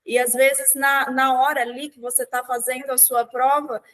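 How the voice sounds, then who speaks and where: High-voiced Brazilian woman examiner. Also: flat delivery, fairly bright tone. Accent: Brazilian Portuguese. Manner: measured, deliberate dictation of questions. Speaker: examiner in a mock oral exam. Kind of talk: formal exam questioning.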